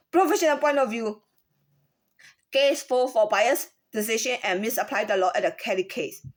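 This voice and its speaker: A woman with a Chinese accent gives a halting personal account of a workplace complaint, often repeating words and asking rhetorical questions. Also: fairly high pitch. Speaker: former store employee.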